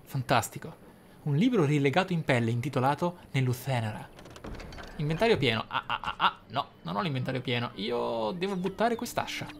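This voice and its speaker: A man commentating on his role-playing game playthrough, musing aloud theatrically with pauses for emphasis. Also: medium pitch, animated, creaky, a little hiss or hum. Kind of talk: let's play commentary.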